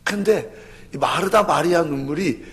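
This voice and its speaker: A man's voice: on the high side, moderate pace, a little hiss or hum. A male pastor preaching a sermon, telling the story with feeling and acting out the voices of the people in it. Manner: animated storytelling, acts out voices of biblical figures. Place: church.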